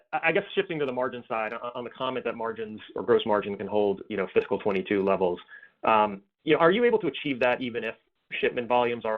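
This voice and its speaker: Phone-line male analyst, low and hesitant. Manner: hesitant, hedging, wordy questions. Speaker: financial analyst asking questions. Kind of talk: earnings call questioning. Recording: thin phone-line audio.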